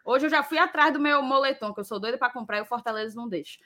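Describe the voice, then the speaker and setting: A woman's voice: on the high side, rapid-fire, bright, forceful tone. A woman with a Ceará accent from Northeastern Brazil and a slight lisp on her s sounds, chatting casually as a host reading viewer messages and repeating phrases for emphasis.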